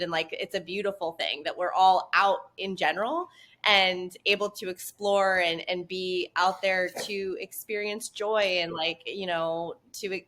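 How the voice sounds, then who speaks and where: Podcast host, woman, lowish voice, reflective and rambling. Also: bright, forceful tone. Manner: thoughtful and rambling, frequent "like" and "you know". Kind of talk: casual podcast conversation.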